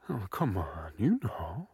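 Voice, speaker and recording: A man whispering a slow, coaxing intimate audio roleplay in a soft, breathy voice. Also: low voice, no echo.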